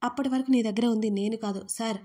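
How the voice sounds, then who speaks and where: A woman's voice: on the high side, steady tone, quick pace, mellow, husky. A woman voicing a blunt young female friend who scolds and insists in an audio story. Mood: scolding.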